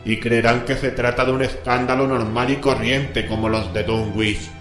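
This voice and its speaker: An actor playing a learned, grave and scornful librarian in a horror radio drama, brooding and theatrical. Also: male voice, medium pitch, flat delivery, normal speed, fairly bright tone, lightly acted. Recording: echoing, music underneath.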